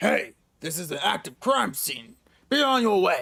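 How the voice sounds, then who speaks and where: A man's put-on character voice, shouting at a high pitch in a Brooklyn accent. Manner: yelling, dismissive.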